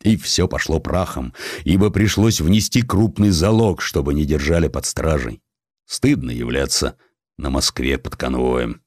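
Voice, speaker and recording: A man's voice: very deep voice, a little slow, no echo, studio quality, pitched below the performer's own voice. A man voicing a guilt-ridden, bitter bankrupt in his forties, mournful and resigned, in an audiobook story. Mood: weary, regretful.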